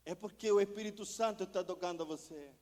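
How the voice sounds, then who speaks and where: High-voiced man preaching in a reverberant church. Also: fast talker, mellow. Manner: impassioned, with repeated rhetorical questions. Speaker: missionary preacher. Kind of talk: sermon. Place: church sanctuary. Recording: long church hall reverb.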